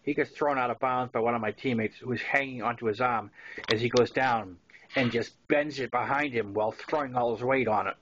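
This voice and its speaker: A man's voice: medium pitch, fairly quick, fairly bright tone, dull audio, slight background noise. A man in his sixties with a Boston accent reads his own memoir aloud in a conversational storytelling manner, with casual asides. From Massachusetts, US. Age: 60s. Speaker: author reading his own novel.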